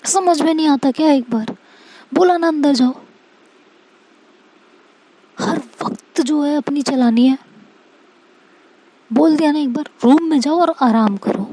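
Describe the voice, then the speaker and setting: A woman's voice: a little high, steady tone, moderate pace, creaky, mellow, low-quality recording. A woman voicing a young woman who firmly tells her partner to go and rest, in a storybook reading. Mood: angry. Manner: firm, insisting, then snapping. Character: young woman Seerat, firm and stern.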